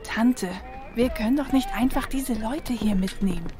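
A woman's voice: on the high side, normal speed, natural voice. An actress playing a principled young policewoman in a radio drama, earnest and questioning. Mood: earnest, protesting. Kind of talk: German radio play acting. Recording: rough unfinished mix, clear vehicle noise.

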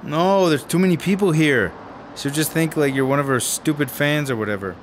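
A man playing a needy, aggrieved, guilt-ridden screenwriter in a radio drama, with an excitable, slangy way of talking. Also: on the high side, a little hiss or hum, natural voice. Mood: persuading. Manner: excitable, slangy, halting when upset. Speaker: actor in a serialized radio drama. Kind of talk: naturalistic radio drama acting.

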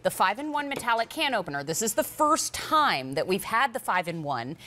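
Middle-aged American woman, home shopping host, conversational selling patter with emphasis, medium pitch. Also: very animated, brisk, pushed and bright. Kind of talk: live home shopping presentation, chatty sales pitch. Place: TV studio kitchen set.

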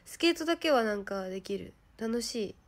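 A woman's voice: fairly high pitch, animated, fairly quick. Chatty young woman with a Kansai accent. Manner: chatty, giggly, acts out past exclamations. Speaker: idol streamer. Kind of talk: casual livestream chat.

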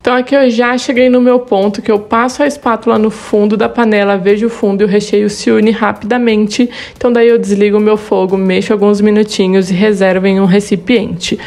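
A woman's voice: medium pitch, flat delivery, a little fast, hardly any pauses, darkish tone, faint music behind. Chatty Brazilian woman giving a recipe. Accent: Brazilian Portuguese. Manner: friendly, chatty, repeats "tá bom?". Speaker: cooking channel host. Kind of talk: recipe tutorial with voice-over. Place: home kitchen studio for the intro.

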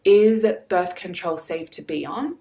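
Young female wellness coach, lower register, earnest and flowing, filler-heavy delivery. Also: unhurried, creaky, warm tone, low-quality recording. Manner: earnest, flowing, many fillers like "like" and "you know". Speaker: holistic health coach. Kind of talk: direct-to-camera advice vlog.

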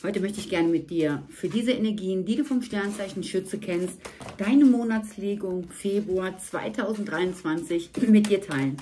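A woman with a slightly hoarse voice gives a monthly tarot reading at a table indoors. She speaks to the viewer in a warm, reassuring way. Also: mid-range voice, unhurried, a little hiss or hum. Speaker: tarot reader.

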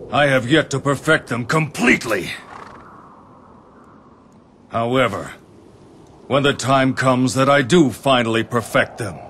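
A man's voice: mid-range voice, fairly bright tone, slight background noise. An actor voicing a proud, determined male general in a video game cutscene, earnest and resolute.

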